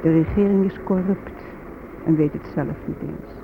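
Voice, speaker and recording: A performer in a radio drama voicing a grieving, bitter Native American in solemn, measured, poetic recitation. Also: mid-range voice, fairly even intonation, gravelly, lightly acted. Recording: muffled narrowband old radio recording, faint noise.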